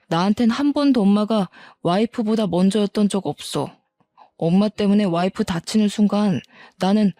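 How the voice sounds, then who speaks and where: Woman narrator as protective young husband, lowered mellow tone. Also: no echo, close to an everyday voice.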